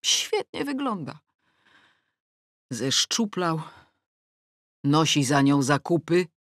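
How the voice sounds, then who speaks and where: A middle-aged woman reading a first-person novel aloud, wry and ironic, with sudden rises in pitch on the punchlines. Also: a bit bright, no room sound, studio quality. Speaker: audiobook narrator. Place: dry recording booth. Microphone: close studio mic.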